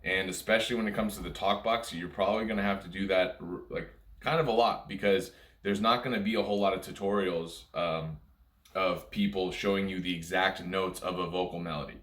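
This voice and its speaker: A man's voice: sits low, fairly even intonation, fairly quick, a bit bright. A man giving a casual music lesson, talking informally and ramblingly, often repeating his points. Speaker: music teacher. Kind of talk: casual instructional talk to camera. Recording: echoey room sound.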